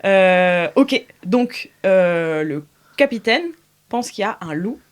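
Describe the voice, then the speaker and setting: A woman's voice: medium pitch, expressive, slow pace. A woman game master narrating an improvised tabletop game. She talks in a chatty, hesitant way, full of fillers and restarts, and often slips into little theatrical voices for the characters.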